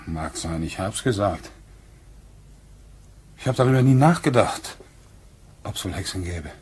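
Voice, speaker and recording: Playing a guarded, plain-spoken Puritan farmer for a German radio play, the male actor sounds blunt and measured, occasionally hesitant, yet animated. His low voice is a little mellow, with slight background noise.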